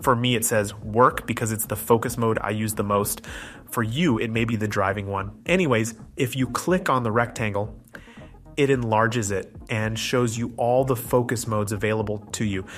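A man's voice: on the low side, moderate pace. A man presenting a tech tutorial in scripted, explanatory narration, going through it methodically step by step.

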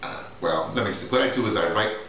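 A middle-aged man talking casually and off the cuff, halting, repeating words and drifting into digressions. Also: lowish voice, pushed and bright. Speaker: playwright and audio drama director presenting his writing. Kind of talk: casual off-the-cuff vlog talk. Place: small bare-walled office, indoors. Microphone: camera mic a few feet away. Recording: distant mic, echoey room, noisy background.

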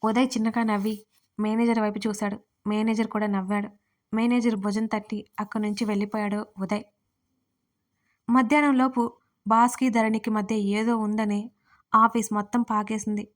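A woman, the writer and narrator, reading an audio story in a steady, even storytelling manner. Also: medium pitch, moderate pace, pauses often.

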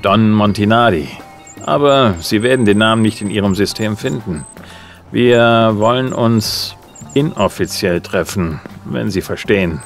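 A man's voice: lowish voice, a little slow, soft background music. An actor playing a cocky, wry bounty hunter who narrates his case in a laconic, flippant audio drama style. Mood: smug, flirtatious. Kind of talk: hard-boiled first-person audio drama narration.

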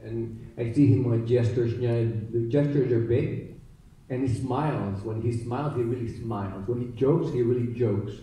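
A Filipino actor at a press conference, answering thoughtfully in mixed English and Tagalog with many fillers. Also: male voice, mid-range voice, steady tone, moderate pace, warm tone. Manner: reflective, many fillers and restarts. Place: large theater stage. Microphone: handheld mic heard through hall speakers. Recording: echoey hall from far off.

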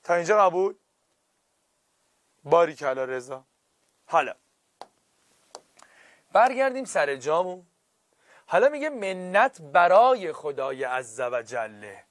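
A male teacher giving a classroom grammar lesson, stretching key words out slowly for emphasis and checking often that students follow. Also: a little high, big pitch swings, a bit bright, no room sound.

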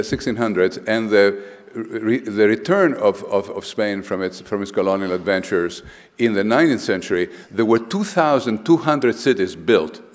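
Older man lecturing in a reverberant hall. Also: lowish voice. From Greece. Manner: emphatic, with many restarts and repeated words. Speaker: architect giving a conference lecture. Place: large lecture hall, standing at a lectern.

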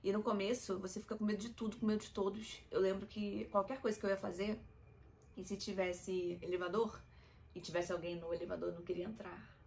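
A woman's voice: mid-range voice, level tone, a little fast, creaky, darkish tone, slight background noise. A young adult woman with a Brazilian Portuguese accent, talking candidly and emotionally to her viewers in a personal vlog. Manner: emotional, confiding, addresses viewers as "gente". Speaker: vlogger.

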